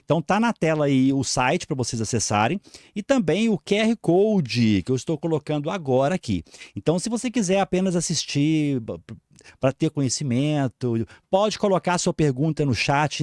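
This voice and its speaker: A man's voice: fairly high pitch, animated, normal speed, darkish tone, no echo, studio quality. A man with a Brazilian accent hosting a live online show, giving announcements and introducing a guest.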